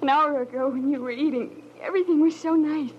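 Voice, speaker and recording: An actress as high-voiced, anxious young Donna. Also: female voice, fairly even intonation, highs cut off, close to an everyday voice. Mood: anxious, pleading. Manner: pleading, earnest, halting. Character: anxious young woman, gentle and fearful. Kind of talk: 1940s radio drama acting. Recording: band-limited, lightly noisy old radio recording.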